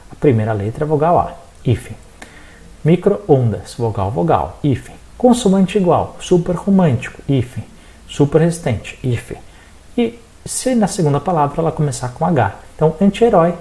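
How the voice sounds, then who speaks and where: A teacher from Brazil with a Brazilian accent, giving a recorded exam-prep lesson, talking straight to the students and checking in often to see they follow. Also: mid-range voice. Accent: Brazilian Portuguese. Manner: animated, addresses students directly, checks in with frequent "tá?".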